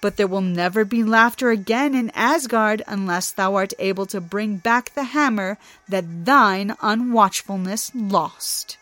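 A woman's voice: mid-range voice, a bit bright, no echo, natural voice. A woman voicing a cunning, mocking male trickster god in a storybook reading, speaking in a sly, teasing way. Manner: sly, teasing, drawn-out mockery.

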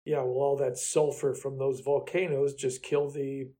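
A man's voice: mid-range voice, little pitch movement, moderate pace, warm tone. A man co-hosting a podcast, asking questions in an easygoing, casual way. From Australia. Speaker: podcast co-host. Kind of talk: casual chat.

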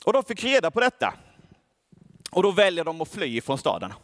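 A man delivering a Bible teaching sermon as a preacher. He explains the verses patiently and keeps checking in with his listeners. His voice sits somewhat high for a man. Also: huge pitch swings, no room sound. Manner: explanatory, asks the listeners for agreement.

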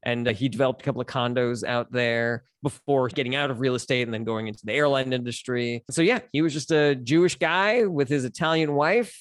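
A man's voice: medium pitch, a little fast, hardly any pauses, no echo, studio quality. A man in his forties from Los Angeles with an American accent, telling personal stories candidly and articulately in casual conversation as a podcast guest. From Los Angeles, United States. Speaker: podcast guest, stand-up comedian.

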